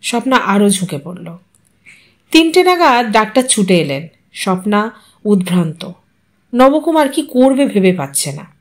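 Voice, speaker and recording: A woman narrating an audio story with an expressive, dramatic reading. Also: medium pitch, normal speed, pauses often.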